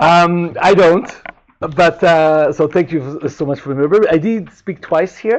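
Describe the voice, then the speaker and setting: With an Israeli accent, a man speaks fairly slowly at a fairly high pitch with ordinary pitch variation. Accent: non-native English, Israeli. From Israel, Jerusalem. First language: Hebrew. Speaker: rabbi. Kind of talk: lecture. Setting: room with live audience. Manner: halting, many fillers and restarts.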